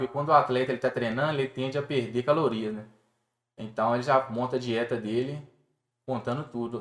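A man with an unremarkable speaking voice talks at a medium pitch and a fairly quick pace. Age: 20s. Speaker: bodybuilder. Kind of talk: casual interview.

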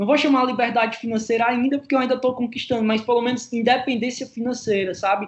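A man's extremely high-pitched voice, very fast and monotone, with flat intonation, very even loudness and hardly any pauses. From Sobral, Ceará, northeast Brazil. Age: 20s. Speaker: network marketing distributor. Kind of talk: podcast interview.

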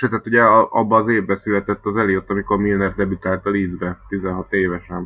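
A man at a fairly quick pace, in a monotone with flat intonation. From Hungary. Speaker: football supporter club member. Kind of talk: casual chat. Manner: halting.

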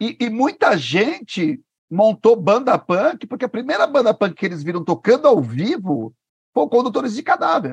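A man speaks at a high pitch with very wide pitch swings. His pace is moderate. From Brazil, São Paulo (Vila Carolina). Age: 60s. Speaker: punk musician. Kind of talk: casual chat. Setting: live stream.

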